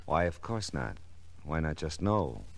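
A man's voice: very deep voice, sing-song, measured pace, creaky, heavily acted. An actor playing a hard-boiled, wisecracking private eye in old radio detective drama, wry and laconic as he narrates and needles people. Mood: cool, needling. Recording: old radio recording with music underscore.

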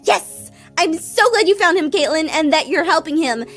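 A woman's voice: very high voice, expressive, moderate pace, fairly bright tone, soft background music. A young woman voicing a nervous, stammering teenage girl who gets flustered easily. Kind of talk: voiced animated roleplay.

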